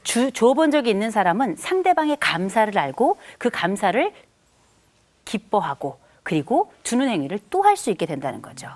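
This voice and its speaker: A middle-aged woman lecturing an audience with a very lively, swooping voice, slipping into little acted-out quotes. Her pitch sits in the middle and her talk is chatty, but she slows right down to land each key maxim. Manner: animated, acts out quoted speech, chatty asides. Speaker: family counseling lecturer.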